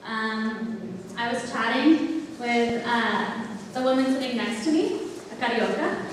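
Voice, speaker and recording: A young woman from the United States giving a public talk, hesitant with many pauses and restarts, recorded far off in a lecture hall. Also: a little high, slight background noise. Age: young adult. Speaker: exchange student speaker. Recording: echoey hall, mic far off.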